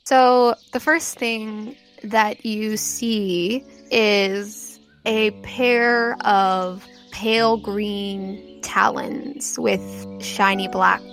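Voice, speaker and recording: A woman's voice: mid-range voice, steady tone, extremely slow, hardly any pauses, fairly bright tone, faint music behind. A woman improvising narration as game master of a tabletop role-playing game.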